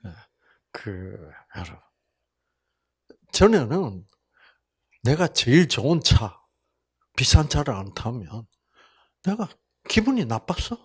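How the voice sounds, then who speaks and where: An older man from Busan, giving a Bible lecture with personal testimony, telling stories folksily and swinging between loud exclamations and soft asides. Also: mid-range voice, very animated, slow pace, pauses often, husky. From Korea (Busan). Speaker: health seminar lecturer.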